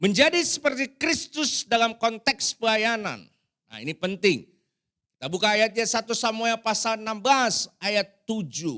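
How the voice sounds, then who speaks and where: A man with a high, bright, sharp voice projects loudly at a fairly slow pace, his intonation lively and his loudness swinging widely, in a dry, close recording with no echo. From Indonesia, Batak (North Sumatra). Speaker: pastor. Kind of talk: sermon. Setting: church with congregation. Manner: loud, shouting; high-pitched.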